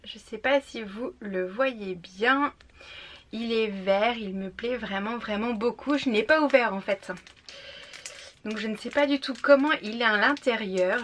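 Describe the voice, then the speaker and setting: A woman's voice: fairly high pitch, fairly bright tone. Chatty French-speaking young woman. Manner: chatty, enthusiastic, with frequent fillers. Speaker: book vlogger. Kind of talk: casual unboxing vlog.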